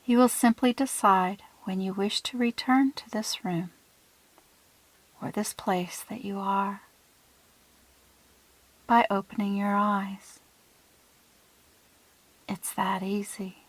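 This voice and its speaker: A woman leading a guided visualization in a soothing, hushed manner, with deliberate phrasing and breathy trailing ends. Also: medium pitch, fairly even intonation, dry recording, rough recording. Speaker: guided meditation leader.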